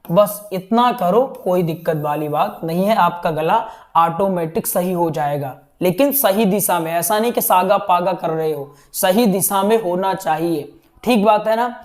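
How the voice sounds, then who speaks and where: A man's voice: high-pitched, unhurried. A young man teaching would-be katha speakers in a chatty style, often checking in with his listeners. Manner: conversational, keeps checking in with "right?". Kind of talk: teaching talk to students.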